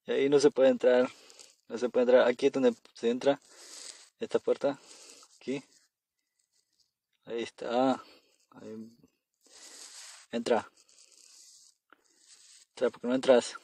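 A man's voice: mid-range voice, flat delivery, measured pace, pauses often, dark tone, breathy edge. A man casually commenting as he plays a horror game on his phone, nervous, talking to himself and repeating phrases when scared. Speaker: gamer playing on a phone.

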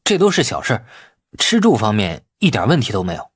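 Guy doing an eager husky young nephew in an audiobook, animated, super obliging. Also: lowish voice, fairly quick, heavily acted. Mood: eager, confident. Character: eager, deferential young nephew in city drama. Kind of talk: audiobook character dialogue.

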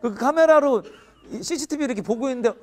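A man in his forties, a teacher, telling a funny story in an animated way and often laughing mid-sentence. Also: very high voice, quick pace. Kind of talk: humorous storytelling lecture.

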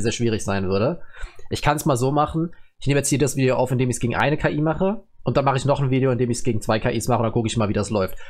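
A man with a mid-range, darkish voice hosts his own gaming channel, chatting casually as he plays a strategy game. His commentary rambles, full of fillers and restarts.

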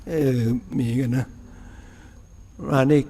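In a temple hall, a Buddhist monk delivers a casual sermon before a meal, his mellow voice slow and trailing a long reverb. He's folksy and chatty, chuckling often and tossing out rhetorical questions.

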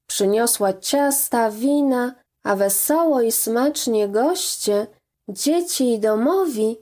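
A woman narrating a classic children's story in a calm, even, unhurried way. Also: on the high side.

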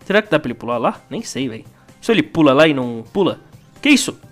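A young man with a Brazilian accent commentates his own gameplay, bursting into exclamations and slang. His pitch leaps up and down constantly, and faint game music plays underneath. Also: sing-song, fast talker. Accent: Brazilian Portuguese. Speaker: gaming YouTuber.

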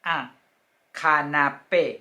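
A woman leads a vocabulary lesson at a very unhurried pace. She says each word slowly and twice, with polite closing particles. Her tone is bright and clear. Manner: slow, careful repetition of each word; polite, ends phrases with soft particles. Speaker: French teacher.

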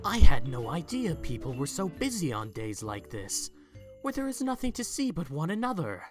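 A man plays a proud, cold young businessman who speaks in a stiff, solemn way. His pitch moves a lot within each line. Music plays clearly behind him. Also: wildly swooping pitch, moderate pace. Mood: wondering. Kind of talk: fan audio drama acting.

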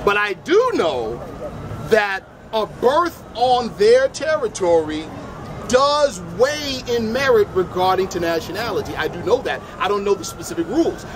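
A middle-aged man holds forth into a handheld mic on a noisy city sidewalk, with lively pitch swings in a high register. He lectures in a measured way and circles back over his phrases, while a crowd murmurs and traffic noise runs behind him. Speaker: street debater. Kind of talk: outdoor public debate. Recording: noisy outdoor street recording.

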